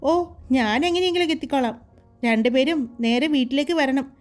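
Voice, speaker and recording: A woman's voice: sits high, moderate pace, faint music behind, close to an everyday voice. A woman voicing a helpful young man friend who talks in a reassuring, reminding way, in a story reading.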